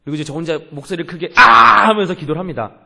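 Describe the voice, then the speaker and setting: A man's voice: on the high side, very fast, bright, forceful tone. A young man, a youth pastor, preaching a sermon in an earnest way and asking the congregation questions.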